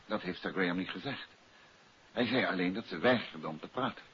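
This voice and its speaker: Measured detective on muffled old radio. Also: male voice, low voice, fairly bright tone, slight background noise. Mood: quiet, pensive. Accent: Netherlands Dutch. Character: calm, inquisitive gentleman detective, husband, adult man. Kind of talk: 1950s Dutch radio drama acting.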